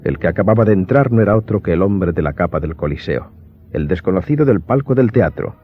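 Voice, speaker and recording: A man's voice: low-pitched, animated, a little fast. A man narrating an audiobook drama in a scripted, suspenseful storytelling style. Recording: dull recording under clear music.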